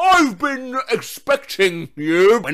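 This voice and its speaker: This is a put-on character voice set at a fairly high pitch. It swings very widely up and down in pitch. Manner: menacing.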